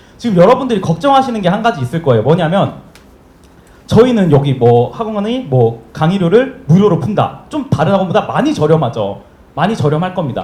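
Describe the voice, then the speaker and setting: Over noticeable background noise, a man talks fairly quickly in a high pitch, his voice swinging very widely up and down. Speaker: customs broker and exam lecturer. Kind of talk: exam prep information session. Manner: fast.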